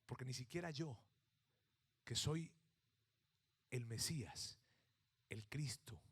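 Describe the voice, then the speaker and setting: Speaking slowly in a husky, medium-pitched voice, a middle-aged pastor from Mexico preaches with a Mexican accent. He acts out his stories, jumping from shouts down to hushed emphasis.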